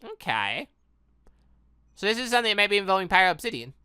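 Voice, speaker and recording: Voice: mid-range voice, sing-song, fast talker, pushed and bright, smooth, no room sound, studio quality. A let's-play host giving casual, rambling commentary on a visual novel, often stumbling over words. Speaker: gaming channel host reading and reacting to a visual novel.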